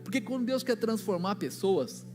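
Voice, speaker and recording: Brazilian male pastor, high voice, chatty sermon storytelling, long hall reverb, music under him. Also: expressive, moderate pace. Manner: colloquial storytelling, acting out dialogue. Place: church.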